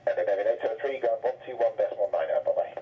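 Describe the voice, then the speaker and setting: Guy doing air traffic control radio, low voice, super quick clipped instructions, muffled and far off. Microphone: aviation radio. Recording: noisy, muffled distant radio transmission.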